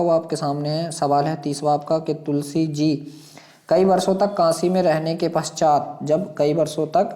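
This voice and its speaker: Mellow-voiced man teaching an exam lesson. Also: a little high. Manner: instructive, repeats phrases, poses questions to students. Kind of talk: exam lesson, reading questions and passages aloud.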